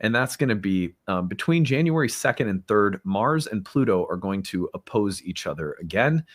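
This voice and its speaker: A man's voice: fairly low pitch, lively intonation, moderate pace, no room sound. A man hosting an online talk show, making an earnest, upbeat appeal with some fillers. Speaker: host. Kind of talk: casual talk and fundraising appeal.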